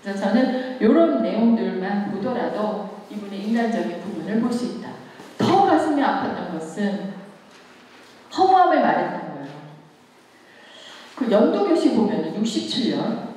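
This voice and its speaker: A woman's voice: medium pitch, big pitch swings, moderate pace, mellow. Echoey woman in her sixties, lecturing. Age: 60s. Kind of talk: public lecture with expressive poetry recitation. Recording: echoey hall, distant mic, background noise.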